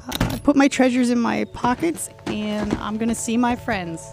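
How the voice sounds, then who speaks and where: A woman playing a meek, strange child who speaks with halting, formal politeness in an improvised audio drama. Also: fairly high pitch, steady tone, vocal fry, music in the background. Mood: innocent, earnest. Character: odd, meek, hollow child named Dirt, eerily polite.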